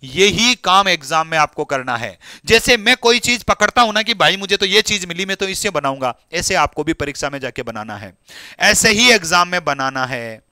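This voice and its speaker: A man's voice: high voice, lively intonation, moderate pace, bright, forceful tone, no room sound, clean studio sound. A man teaching an English exam class live online, coaxing students and calling on them by name.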